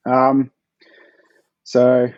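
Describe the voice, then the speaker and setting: A forty-year-old Australian man chatting casually and in a low-key way as an author guest on a podcast. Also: completely flat delivery, very slow, darkish tone, no echo, muffled recording. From Perth, Australia.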